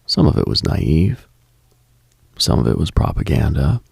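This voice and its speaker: A man hosting a late-night radio show, speaking in a slow, reflective monologue that often sinks into a whisper and lists ideas in short measured phrases. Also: sing-song, a little mellow, no room sound, clean studio sound. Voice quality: gravelly low voice, often dropping to a whisper.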